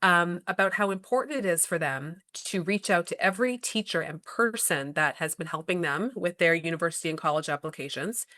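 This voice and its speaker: Woman podcast host, bright forceful voice, dry close sound, upbeat. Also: lowish voice, expressive, brisk, hardly any pauses, no echo. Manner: upbeat, moves the talk along. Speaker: podcast host, school principal. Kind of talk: hosting a conversation.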